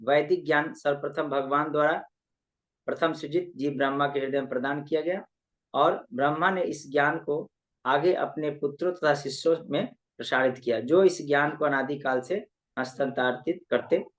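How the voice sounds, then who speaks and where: A male student reading a scripture passage aloud in class, steady with small hesitations. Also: fairly high pitch, moderate pace.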